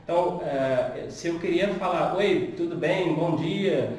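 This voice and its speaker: A woman speaking a learned second language, hosting a casual chat in an animated, expressive way. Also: fairly low pitch, measured pace. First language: not Portuguese. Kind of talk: casual conversation. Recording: echoey room, distant mic, faint noise.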